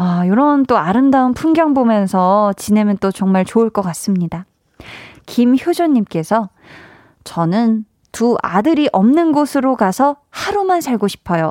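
Against a quiet background, a woman with fairly high pitch and a warm tone speaks at a fairly slow pace, her pitch swinging very widely while her loudness stays very even, in a dry, close sound with no echo. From Seoul. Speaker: radio DJ. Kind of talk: evening radio show, reading listener messages. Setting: radio studio, visible radio. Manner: warm, chatty, frequent laughter.

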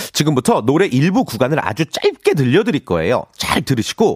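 In a very clean, dry, close recording with no echo and a silent background, a man speaks at a moderate pace in an animated tone. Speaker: radio quiz segment presenter. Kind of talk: radio quiz show banter. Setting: radio studio.

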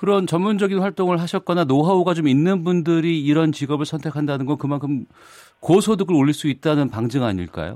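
Speaking at a fairly quick pace, a man has a dark, mellow tone, a fairly high pitch, and ordinary pitch variation. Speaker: radio current affairs host. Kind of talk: radio talk show interview. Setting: radio studio.

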